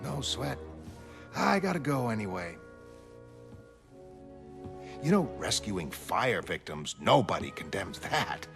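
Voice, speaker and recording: A man's voice: on the low side, very animated, takes it slowly, vocal fry, long pauses, full character voice. A man voicing a cynical police detective who talks in a dry, streetwise way, over music. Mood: needling. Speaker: motion comic voice actor. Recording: music underneath.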